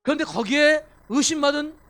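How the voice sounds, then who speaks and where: A man's voice: extremely high pitch, moderate pace, a bit bright. A male pastor preaching a Sunday sermon, reading scripture aloud and asking the congregation questions. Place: church sanctuary.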